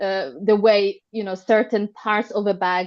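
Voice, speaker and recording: A woman speaks with a Polish accent. Her pitch sits in the medium range. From Poland. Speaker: self-taught bag designer. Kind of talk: live Q&A panel.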